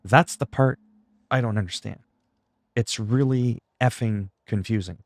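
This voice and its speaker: A man's voice: mid-range voice, measured pace, dry recording. A man from Canada whose first language is French, chatting casually on a livestream in a self-deprecating, salty, freely swearing way. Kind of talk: casual rambling livestream chat.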